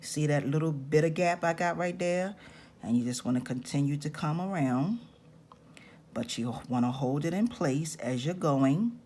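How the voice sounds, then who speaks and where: A woman's voice: low-pitched, darkish tone, a little hiss or hum. A woman, patiently talking through a jewelry-making tutorial step by step. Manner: slow, patient step-by-step instructions. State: raspy-voiced this morning. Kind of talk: hands-on craft tutorial.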